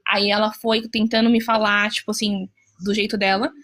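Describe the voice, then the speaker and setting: A woman's voice: mid-range voice, little pitch movement, normal speed, a bit bright. A woman with a Brazilian Portuguese accent, earnestly telling a personal story as a mother of an autistic child, often quoting what others said.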